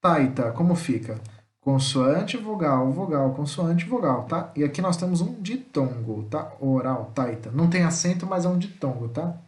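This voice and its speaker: A man's voice: a little high, lively intonation, a little mellow. Patient man teaching in an echoey room. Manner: patient, repeats "tá?" after each point, sounds out words slowly. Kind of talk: online language lesson.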